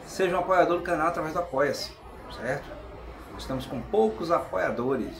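A middle-aged Brazilian man giving an informal video lecture, conversational and often checking in with tag questions. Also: medium pitch. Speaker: channel host and philosophy explainer. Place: small tiled room, indoors. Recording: echoey room with clear background noise.

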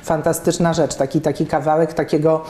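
A woman in her fifties with a low, dark and even voice speaks in an echoey office. She interviews a guest, pausing often with fillers and restarting her sentences. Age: 50s. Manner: hesitant, many fillers and restarts. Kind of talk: conversational interview. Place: office room with plants and bookshelves.

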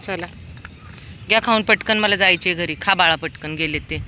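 A woman's voice: on the low side, moderate pace, pushed and bright, a little hiss or hum. A woman chatting casually outdoors at night, calling out and coaxing street animals with affection. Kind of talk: casual vlog talk.

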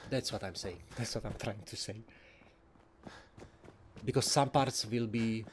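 Low-voiced man chatting over gameplay. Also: unhurried, a little hiss or hum. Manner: chatty, rambling, chuckles often. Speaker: let's play gamer. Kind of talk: casual gameplay commentary.

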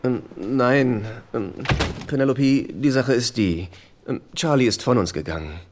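A man's voice: medium pitch, a little slow, noisy background, natural voice. An actor playing a nervous, hapless man in a dubbed sitcom, speaking in a fussy, hesitant, pleading way. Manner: hesitant, flustered, wheedling.

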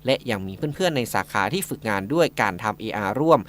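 A man's voice: mid-range voice, lively intonation, fast talker, a little hiss or hum. A man delivering a scripted news report as a radio reporter.

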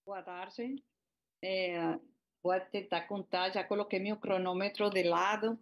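A middle-aged woman with a Spanish accent presents over a video call, pausing on fillers and starting her sentences over as she goes. She speaks Portuguese as a second language. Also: mid-range voice, fairly even intonation, dull audio. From Venezuela. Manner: hesitant, many fillers and restarts. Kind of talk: public hearing presentation.

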